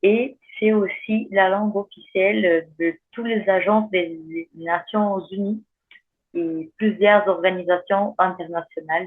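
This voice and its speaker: In a Brazilian accent, a woman speaks at a medium pitch. Her pace is very slow and her intonation fairly even. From southern Brazil. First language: Portuguese (speaking French). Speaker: language mentor and entrepreneur. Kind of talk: talk to an audience. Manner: halting, many fillers.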